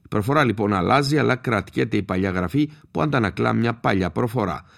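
A man with a low, gravelly voice gives a scripted lesson as a linguist. He explains steadily and in a measured way, slowing down to spell out letters one by one. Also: expressive. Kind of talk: scripted educational talk.

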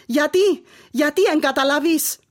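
A woman's voice: high-pitched, close to an everyday voice. An actress with a Cypriot Greek accent playing a desperate, bitter young mother losing her faith. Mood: despairing. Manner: bitter, despairing. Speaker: daughter-in-law.

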